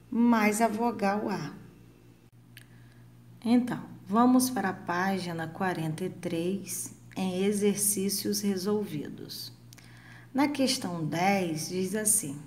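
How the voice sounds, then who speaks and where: Brazilian lady teacher, super slow, spells syllables out for little kids, bit of hiss behind. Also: medium pitch. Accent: Brazilian Portuguese. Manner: affectionate with pupils. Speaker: primary school teacher. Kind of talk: recorded remote lesson for children.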